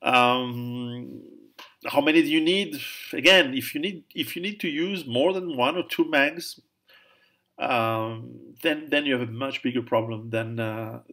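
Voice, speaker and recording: A man speaks in a casual question-and-answer monologue at a middle pitch. He stumbles and restarts often, fills pauses with "um", and chuckles at his own jokes. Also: bright, forceful tone. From Italy, raised in Switzerland. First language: Italian. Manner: hesitant, many restarts and fillers, laughs at own jokes. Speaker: author answering viewer questions.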